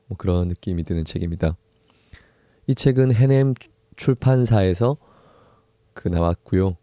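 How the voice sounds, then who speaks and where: A young man with a low, deeply mellow voice hosts a solo book podcast. He talks in an unhurried, soft-spoken way, pausing often and laughing lightly now and then. The sound is close and completely dry. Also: no room sound. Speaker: podcast host.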